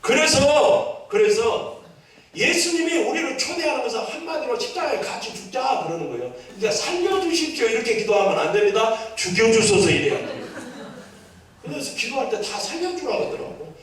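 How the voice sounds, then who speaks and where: High-voiced Jeolla pastor in an echoey hall. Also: male voice, animated, brisk, far from the mic. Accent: Jeolla Korean. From Jeolla, South Korea. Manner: emphatic, repeats key phrases, calls for amens from the congregation. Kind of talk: sermon. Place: church sanctuary.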